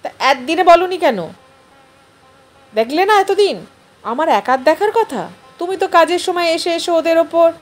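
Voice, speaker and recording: A woman's voice: very high voice, expressive, measured pace, pauses often, pitched above the performer's own voice. A woman voicing an irritable middle-aged husband who grumbles defensively in an audio story. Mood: annoyed. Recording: music behind the voice.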